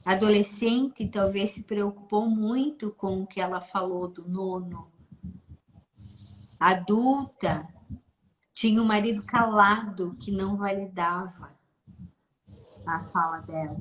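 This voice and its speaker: A woman's voice: mid-range voice, slow, pauses often, low-quality recording. A Brazilian woman hosting as a therapist, speaking directly and encouragingly and asking pointed questions on a video call. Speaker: host, therapist. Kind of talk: therapeutic conversation.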